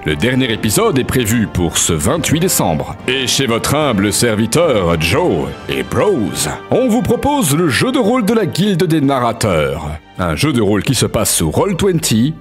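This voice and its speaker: A man's voice: medium pitch, huge pitch swings, moderate pace. A man reading a scripted news bulletin as a host, with a theatrical announcer's delivery. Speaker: channel host presenting news. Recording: music behind. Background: music.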